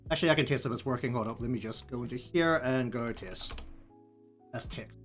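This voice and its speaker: A live streamer with a broad New Zealand accent chats casually while he works, rambling and thinking aloud over background music. His mid-range voice is brisk and a bit bright.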